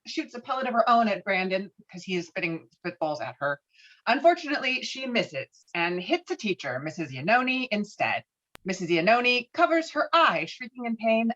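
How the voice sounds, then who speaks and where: A woman's voice: fairly high pitch, very animated, moderate pace, fairly bright tone, muffled recording. A woman giving scripted narration of a screenplay, reading out scene headings and action. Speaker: stage directions narrator.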